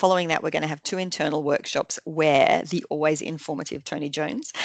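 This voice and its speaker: With an Australian accent, a woman speaks in a very deep, low pitch with ordinary pitch variation. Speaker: advocacy forum presenter. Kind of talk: online meeting update.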